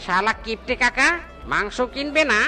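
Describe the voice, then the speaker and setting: An actor plays a cheeky cartoon animal shopkeeper with a piercingly bright, tense voice. The delivery is sarcastic and exasperated, like a market seller talking back, with faint music behind. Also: mid-range voice, moderate pace. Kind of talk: Bengali comedy cartoon dialogue.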